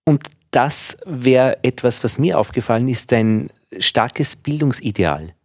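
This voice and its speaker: A man's voice: medium pitch, expressive, slow pace, a little mellow, no echo, studio quality. A man interviewing a guest in conversation, asking probing questions and finishing her thoughts.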